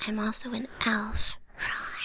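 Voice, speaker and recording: A woman's voice: fairly high pitch, flat delivery, slow pace, low-quality recording. Whispering young woman ASMR streamer. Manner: soft whispering, giggly, playful. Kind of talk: whispered ASMR livestream chat.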